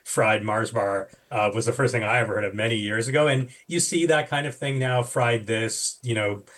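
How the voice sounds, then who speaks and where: Man explaining in a measured way. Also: mid-range voice, steady tone, fairly bright tone. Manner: thoughtful, explanatory with fillers and restarts. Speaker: physician guest. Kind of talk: radio panel discussion.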